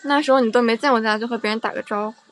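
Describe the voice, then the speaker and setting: A woman's voice: fairly high pitch, steady tone, very fast, soft background music. A young woman hosting a casual livestream, chatting with viewers in a playful, teasing way and often repeating her phrases. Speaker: livestream host.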